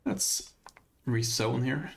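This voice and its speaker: A man with a light Swedish accent narrates his playthrough at an unhurried pace. His voice carries a gravelly rasp, and he often pauses to think aloud about where to go next. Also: medium pitch, animated. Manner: thinking aloud while navigating, hesitant. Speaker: let's play host. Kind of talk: gameplay commentary.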